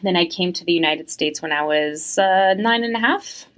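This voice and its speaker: A woman's voice: fairly low pitch, moderate pace, a bit bright. A young woman from France who grew up in the United States, answering interview questions in a chatty, reflective way with many fillers.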